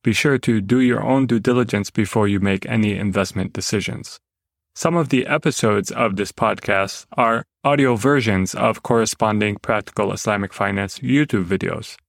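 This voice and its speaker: A man's voice: fairly low pitch, normal speed, gravelly, dry recording, studio quality. A man hosting a podcast interview, reading the intro and then asking his guest questions in a friendly, upbeat way. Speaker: podcast host.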